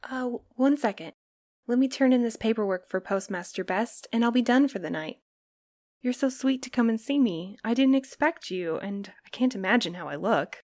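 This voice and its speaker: A woman's voice: fairly high pitch, lively intonation, moderate pace, a little mellow, no echo, clean studio sound, lightly acted. A woman playing a sweet, earnest, easily flustered young courier in an audio drama. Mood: flustered, grateful. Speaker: voice actor.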